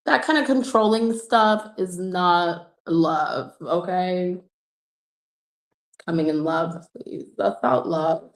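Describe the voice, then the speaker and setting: A woman's voice: medium pitch, roomy sound. A woman hosting a casual tarot livestream, telling a story in a chatty way and laughing often. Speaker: tarot reader and livestream host.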